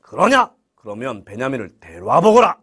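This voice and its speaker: A man voicing Joseph as a young ruler in a children's Bible story, first commanding and stern, then gentle and reassuring. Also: mid-range voice, huge pitch swings, moderate pace, husky, pitched below the performer's own voice, full character voice.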